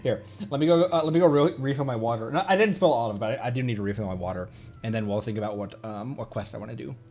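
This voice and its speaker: A man's voice: mid-range voice, rapid-fire, a little mellow, faint music behind. A man chatting casually on a live game stream, thinking aloud in a rambling way with silly little interjections. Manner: playful, silly interjections and nonsense words.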